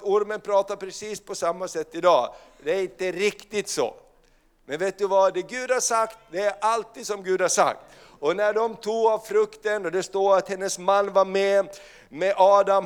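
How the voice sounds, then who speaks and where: A high, clear-voiced man preaches a sermon with storytelling fervor. He is middle-aged and acts out the voices in the story as he goes. His tone is smooth and resonant. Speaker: pastor.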